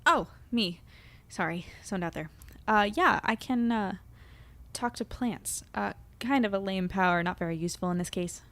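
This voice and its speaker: A woman playing a kind, self-deprecating adolescent in an audio drama, speaking in a halting, unassuming way. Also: mid-range voice, a bit bright, lightly acted. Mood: sheepish.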